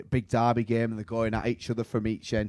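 A man's medium-pitched voice with a British accent at a fairly quick pace. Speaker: producer and co-host. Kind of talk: live-streamed sports chat. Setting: live stream.

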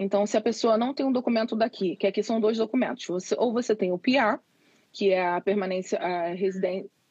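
Her voice is fairly high in pitch and somewhat breathy, with ordinary pitch variation. The woman moves at a fairly quick pace. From Brazil, Caxias. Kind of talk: interview.

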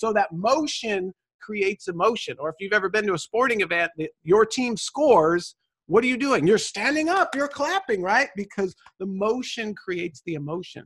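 A man with a high-pitched voice speaks using lively intonation. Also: moderate pace. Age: 40s. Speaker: author and speaker. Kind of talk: casual chat. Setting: live stream. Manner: animated.

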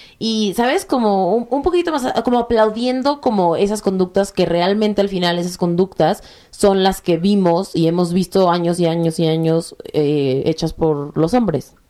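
A woman with a Mexican accent speaks at a fairly slow pace with hardly any pauses, her medium pitch carried by lively intonation. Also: very even loudness. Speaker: podcast co-host. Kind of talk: casual chat.

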